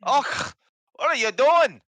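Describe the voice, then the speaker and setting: A man voicing a sly, dim, blustering hobgoblin guard in a high, strained, shouting voice for a tabletop game. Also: takes it slowly, dry recording, heavily acted. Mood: indignant. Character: loud, sly, dim hobgoblin toll-extorting guard, male.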